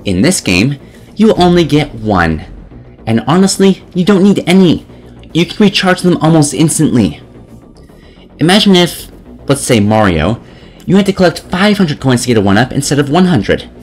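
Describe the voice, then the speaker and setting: A man's voice: a little high, very animated, moderate pace, soft background music. A man narrating a scripted video game review in a sardonic, critical way, as a voice-over.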